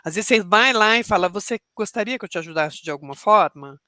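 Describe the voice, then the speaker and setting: A woman's voice: mid-range voice, animated, quick pace, bright, forceful tone, no room sound, clean studio sound. A middle-aged woman with a Brazilian Portuguese accent, a podcast guest who talks reflectively and explains with examples. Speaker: podcast guest, leadership speaker. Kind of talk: interview conversation.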